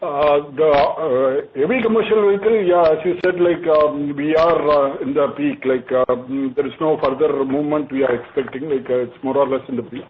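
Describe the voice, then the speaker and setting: A fairly high male voice on a tinny, slightly noisy phone line. He has an Indian accent and answers as an executive, haltingly, with many pauses. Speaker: bank executive answering questions. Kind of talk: conference call answer. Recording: loud narrow phone line with noise.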